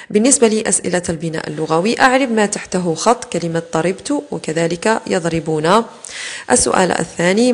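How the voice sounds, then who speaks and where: A woman teacher explaining exam answers in a recorded lesson, methodical and patient, slowing down to repeat key words. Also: fairly low pitch.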